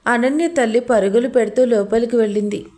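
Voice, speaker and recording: A woman's voice: fairly high pitch, brisk, a little mellow. A woman narrating a romantic audio story in a scripted, dramatic, emotional way.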